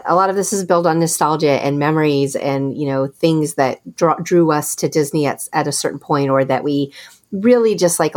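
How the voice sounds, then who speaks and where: A woman co-hosting a podcast, chatting casually and rambling through questions for listeners with many restarts. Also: low-pitched. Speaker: podcast co-host.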